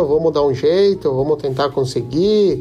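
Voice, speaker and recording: This man's voice has a dark, mellow tone and a fairly high pitch. He talks at a fairly slow pace with ordinary pitch variation. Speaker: transport company co-owner. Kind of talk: casual interview.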